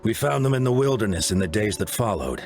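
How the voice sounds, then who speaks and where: An actor playing a grave, composed tribal leader in a video game, speaking in a formal, measured way. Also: male voice, lowish voice, expressive, faint music behind. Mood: grave, explanatory. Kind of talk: scripted game voice acting.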